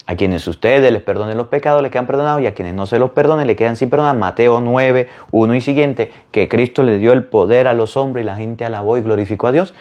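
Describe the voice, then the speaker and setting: A man, a Catholic priest, preaching to viewers in an animated way, firing rhetorical questions. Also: mid-range voice, lo-fi sound.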